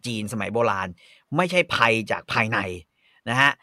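A man's voice: medium pitch, sing-song, normal speed, creaky, pushed and bright, no room sound, studio quality. A man casually explaining history on a podcast, thinking aloud with many fillers and restarts.

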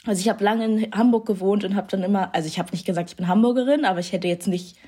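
A woman's voice: mid-range voice, fast talker, mellow, slightly rough. A young woman from northern Germany, a bubbly podcast guest in casual chat who laughs often and drops English slang. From Schleswig-Holstein, northern Germany.

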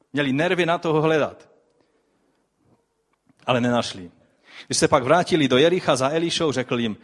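Brief: male preacher, slightly raised pitch, lively sermon delivery with rhetorical questions. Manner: addresses the audience with rhetorical questions; animated storytelling with swings in loudness.

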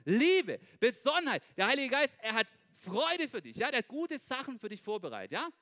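Bright, lively high-voiced male preacher. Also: brisk. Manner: animated, asks listeners "ja?" constantly. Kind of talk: informal sermon.

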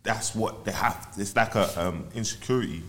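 A man's voice: lowish voice, normal speed, fairly bright tone. A man with a London roadman accent, chatting casually in street slang and repeating phrases for emphasis.

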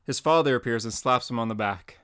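A man's voice: mid-range voice, a little fast, a bit bright, clear, resonant tone, no room sound. Matter-of-fact male podcast co-host narrating panel action, dry close sound. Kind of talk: reading out comic panel descriptions.

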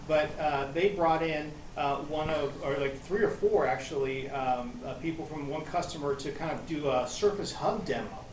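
A man hosting a panel, chatting with rambling asides and many fillers. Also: a little high. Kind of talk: casual panel talk. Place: studio room. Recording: roomy, distant and noisy.

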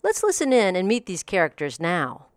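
A woman hosting a daily audiobook review podcast, reading from a script. Her voice is smooth and resonant and sits slightly low. The booth is close and dry, with no echo. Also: huge pitch swings, normal speed.

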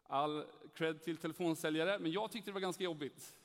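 A young man giving an earnest personal faith testimony, telling his story animatedly and acting out the dialogue. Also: a little high. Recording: echoey hall reverb.

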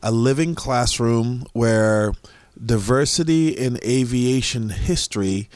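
Middle-aged male guest, born in Jamaica; easygoing interview delivery with halting fillers; mid-pitched voice, dry close recording. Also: no room sound. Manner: relaxed, with frequent "um" pauses. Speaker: museum founder, guest. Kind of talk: casual conversation.

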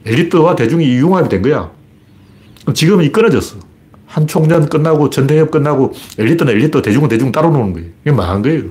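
A man's voice: a little high, expressive, fast, darkish tone. A man hosting his own commentary broadcast, talking in a blunt, colloquial and argumentative way with many rhetorical questions. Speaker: political commentator.

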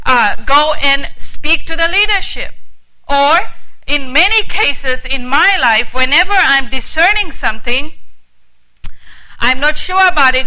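A woman's voice: high-pitched, sharp tone, low-quality recording. A woman from Fiji preaching at a church conference in an earnest, emphatic way. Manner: earnest and emphatic, with repeated words and plain phrasing. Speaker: conference speaker. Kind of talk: sermon.

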